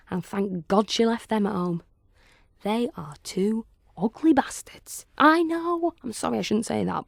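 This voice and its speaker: A woman's voice: mid-range voice, vocal fry, darkish tone, no room sound, clean studio sound. A woman performing a monologue as a catty, blunt gossip with a snide, mock-apologetic manner. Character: catty, gossiping, blunt female wedding guest or bride. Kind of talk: dramatic monologue.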